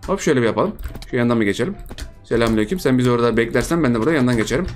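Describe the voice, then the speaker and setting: A man giving casual, excitable commentary over his own video game, often repeating words in quick bursts. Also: medium pitch, faint music behind. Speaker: gaming YouTuber.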